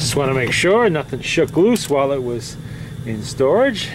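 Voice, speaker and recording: Noticeable background noise runs under this recording. The man talks at a moderate pace, and his pitch varies in an ordinary way. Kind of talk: casual vlog chat. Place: workshop. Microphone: phone near.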